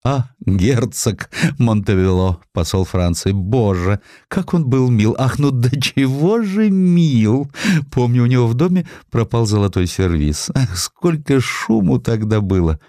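A man's voice: mid-range voice, animated, unhurried, dark tone, no echo, clean studio sound, pitched above the performer's own voice. A man voicing an ageing, gossipy society widow who is sentimental and coquettish in an audio drama. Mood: nostalgic, gushing.

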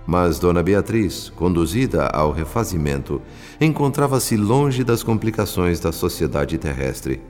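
An earnest spirit narrator of a radio drama. His Brazilian voice is deep and solemn, with formal literary phrasing, a long reverb and soft music underneath. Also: big pitch swings, a little slow. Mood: solemn, reflective.

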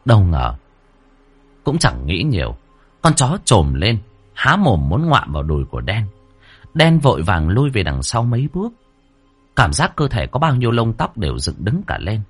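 A man narrating a scripted story with dramatic, expressive delivery. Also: fairly low pitch, normal speed, husky, faint music behind.

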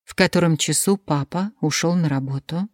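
A woman reading as a calm police investigator. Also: sits low, moderate pace, no echo, studio quality. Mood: businesslike.

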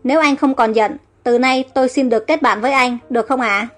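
A smooth, coaxing rich young man from a storybook, voiced by a woman narrator, with faint music under him. He talks his way around people easily. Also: sits high, a little fast, close to an everyday voice. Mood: contrite.

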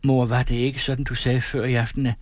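A man's voice: medium pitch, little pitch movement, dry recording, studio quality, natural voice. A man reading the part of a sick, frightened young man who pleads with his mother. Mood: pleading.

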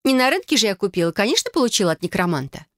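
A woman reader voicing a lively, scheming young cousin who is excitable and bossy in an audiobook. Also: medium pitch, dry recording, studio quality, voice pushed up, natural voice. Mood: teasing. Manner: excitable, bossy, quick to scold. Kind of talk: audiobook character voice.

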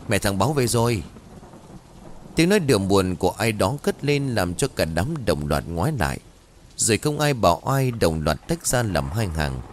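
Low-voiced man narrating a ghost story. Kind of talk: scripted horror story narration. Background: faint music.

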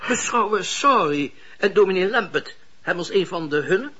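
An actor playing a shrewd, cynical old judge in a radio play, husky and deliberate, lecturing with scorn. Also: male voice, high voice, expressive, sharp tone, full character voice. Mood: scornful scheming. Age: older. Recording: muffled, dull radio play recording.

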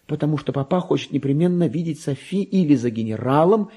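A man's voice: a little high, expressive, dark tone, breathy edge. A man voicing a gossipy, affected little female pet dog in a theatrical, chatty reading of a classic story. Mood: dreamy, chatty. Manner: chatty, mannered, exclamatory, drawn-out emphasis.

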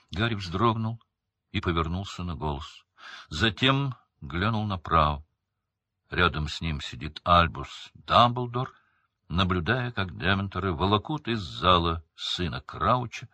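A man reading a novel aloud in measured, dramatic narration. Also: sits low, pushed and bright, dry recording, dull audio. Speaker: audiobook narrator. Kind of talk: scripted audiobook narration.

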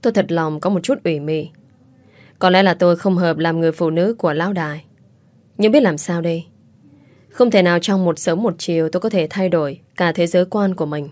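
A woman narrates a first-person audiobook story in a calm, reflective way, keeping an even, unhurried reading tone. Her voice is on the low side and sounds close and dry, with no room around it. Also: dry recording.

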